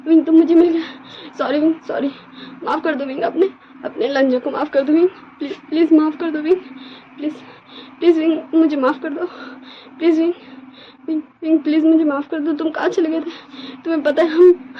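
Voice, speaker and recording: A woman's voice: high voice, muffled recording, slight background noise, pitched above the performer's own voice, close to an everyday voice. A woman voicing a young man who sobs and pleads for forgiveness, repeating the same name again and again. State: crying.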